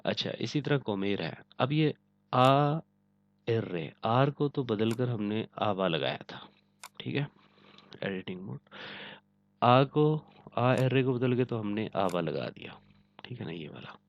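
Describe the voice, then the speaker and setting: A man's voice: on the low side, animated, measured pace, no echo. A man teaching a language lesson, patiently checking that his students follow. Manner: patient, repeats "ठीक है ना" to check understanding. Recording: dull lo-fi, dry close sound.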